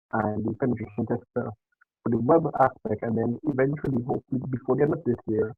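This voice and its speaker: A man's voice: mid-range voice, slightly rough, no room sound. A man asking a question on a video call, giving a long, detailed self-introduction with hesitant fillers. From Caribbean. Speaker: audience member asking a question. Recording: muffled tinny call audio, very dry.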